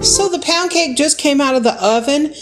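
Indoors in her home kitchen, a woman chats casually and without a script about what she's cooking, thinking aloud as she goes. Her voice is high, her pace normal, and music plays underneath.

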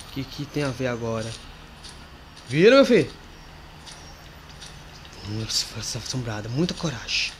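Excitable man narrating a horror game. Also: medium pitch, a little hiss or hum. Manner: excitable, yelps at jump scares, talks to viewers and a friend. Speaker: gamer playing a horror game. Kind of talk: casual gameplay commentary.

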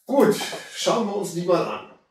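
A hoarse man in his fifties with a cold, chatting casually to viewers as he works on a plant. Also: high voice, a little slow, far from the mic, slight background noise. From Germany. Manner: relaxed, chatty, addresses viewers directly. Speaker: bonsai hobbyist. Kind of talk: casual how-to commentary while working. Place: indoor room with curtain backdrop. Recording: very echoey room, voice off-mic.

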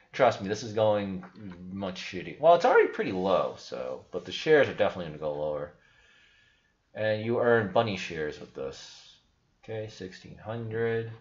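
A young man hosting a crypto channel, talking casually over a screen share in a blunt, skeptical, rambling way with restarts. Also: on the low side. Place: small room indoors. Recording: echoey room, dull lo-fi sound.

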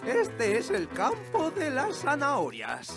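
A patient, solemn old elf with a Latin American accent. The delivery is slow and hugely animated in pitch, like a guide explaining, with loud cartoon music behind. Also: female voice, full character voice. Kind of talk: cartoon dub dialogue.

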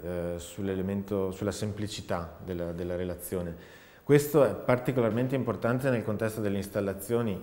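Male artist, 30s, low voice, thoughtful and halting interviewee, echoey studio. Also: darkish tone. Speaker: multimedia theater artist. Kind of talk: reflective interview monologue. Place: large dark indoor studio, seated. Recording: echoey, reverberant empty studio.

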